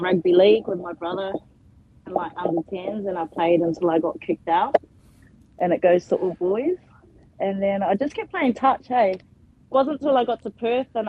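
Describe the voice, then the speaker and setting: A woman's voice: medium pitch, slightly rough, narrow, tinny audio. A young woman from New Zealand with a New Zealand accent, chatting as a guest athlete with many ums. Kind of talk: casual interview.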